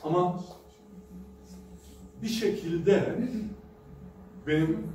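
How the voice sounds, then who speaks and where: A man preaching at a pulpit microphone, his slightly high voice carrying through a very echoey hall. He sounds set back from the mic, with clear background noise underneath. He tells stories in a relaxed, conversational way and pauses with hesitant fillers. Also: recorded from a distance. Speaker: pastor. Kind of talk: sermon.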